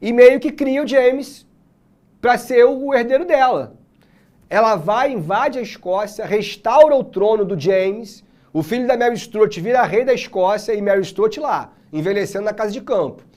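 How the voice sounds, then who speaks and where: Slangy Brazilian male teacher, high voice. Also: moderate pace. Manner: slangy, animated storytelling. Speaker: history teacher. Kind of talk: casual exam-prep lecture.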